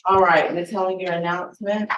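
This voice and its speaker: A woman's voice: on the low side, fairly even intonation, fairly bright tone, reverberant. Formal woman judge, from a distance. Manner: brisk, formal questioning. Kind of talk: courtroom plea hearing. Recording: distant mic with faint noise.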